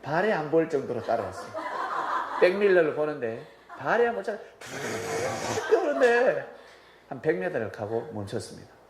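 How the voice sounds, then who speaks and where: Animated pastor preaching in an echoing church. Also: male voice, a little high, moderate pace, background noise. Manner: animated storytelling, acts out quoted voices. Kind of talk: sermon. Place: church sanctuary. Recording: roomy hall with faint ambience.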